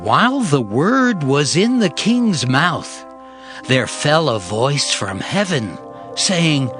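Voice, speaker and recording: Slow, expressive male scripture narrator. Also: a little high. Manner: measured, solemn storytelling. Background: loud music.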